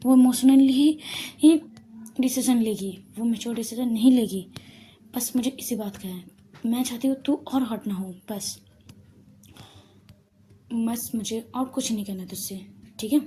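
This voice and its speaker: A woman's voice: a little high, measured pace, long pauses, warm tone, a little hiss or hum, natural voice. A woman voicing a playful young woman who teases her friend and worries earnestly for her sister.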